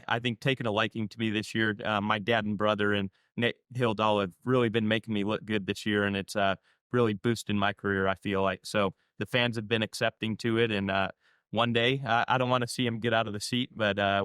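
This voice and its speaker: A man's voice: fairly low pitch, little pitch movement, fairly quick, a bit bright, clear, resonant tone, dry recording, studio quality. A young adult man, a drag racing driver, talking candidly and easygoingly in an interview. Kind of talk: casual interview answers.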